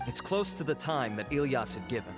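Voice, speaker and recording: A man's voice: mid-range voice, lively intonation, brisk, lightly acted. An actor playing an earnest, dutiful male investigator, speaking formally in an anime video game. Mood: businesslike. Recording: background music under game dialogue.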